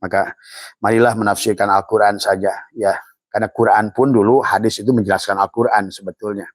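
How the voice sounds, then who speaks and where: A man's voice: fairly low pitch, steady tone, fairly quick, no echo, studio quality. An older man, an Islamic preacher, giving a rambling religious teaching talk with many fillers and restarts, quoting Arabic phrases.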